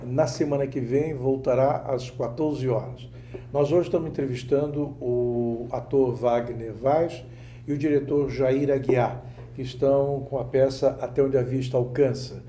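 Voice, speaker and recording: A man's voice: mid-range voice, steady tone, a little slow, warm tone, reverberant, slight background noise. An older man hosting a studio interview, chatty and self-mocking. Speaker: host. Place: small TV studio.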